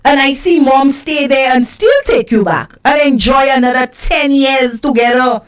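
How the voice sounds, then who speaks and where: A woman's voice: high voice, normal speed, clean tone, far from the mic. A woman co-hosting a radio talk show, chatting casually with emphatic, repetitive phrasing. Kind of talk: casual on-air chat.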